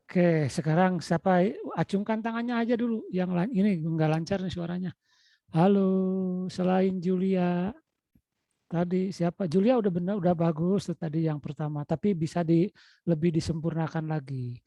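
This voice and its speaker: A male lecturer with a Sundanese-influenced Indonesian accent teaches online, coaxing students and calling out to them repeatedly. His high-sitting voice is gravelly and warm, with fairly even intonation, a moderate pace, and no echo. The video call audio is dull and lo-fi.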